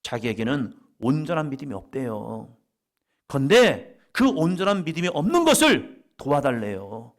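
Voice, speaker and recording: A man's voice: a little high, sing-song, normal speed. Korean man preaching emphatically. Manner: emphatic preaching, swings from loud exclamations to hushed whispers; acts out quoted prayers and voices of others. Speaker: pastor. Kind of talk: sermon. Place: church worship service.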